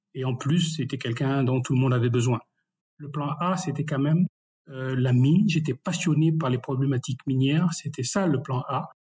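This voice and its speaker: Here a man speaks at a fairly high pitch and a moderate pace, with ordinary pitch variation. His tone is dark and mellow, and somewhat breathy. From West and Central Africa, mainly Senegal. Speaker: bank executive. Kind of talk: interview.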